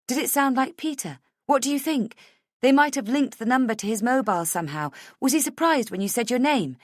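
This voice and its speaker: A woman's voice: medium pitch, animated, measured pace, dry recording, studio quality, voice pushed up, natural voice. A woman voicing a frantic, desperate woman in a dramatic audiobook, speaking urgently and insistently as if pleading to be believed. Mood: panicked. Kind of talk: dramatic audiobook character dialogue.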